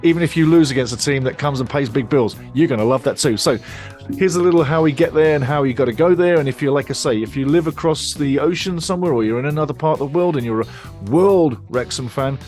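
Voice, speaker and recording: A man's voice: medium pitch, quick pace, a little mellow, soft background music. A man hosting a football fan show in casual, upbeat chat, with punchy exclamations and lots of repeating himself. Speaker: fan channel host. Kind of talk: casual pre-match football show talk.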